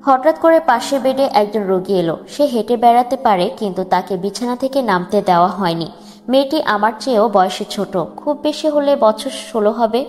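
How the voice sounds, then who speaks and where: A woman narrating a first-person wartime memoir in a grave, measured way. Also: on the high side. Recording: long reverb with soft music beneath.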